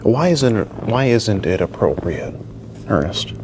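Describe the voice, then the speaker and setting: Low-voiced man questioning calmly. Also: unhurried. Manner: persistent, repeats questions. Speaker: confronting interviewer. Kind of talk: calm confrontational questioning. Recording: noisy ambient background.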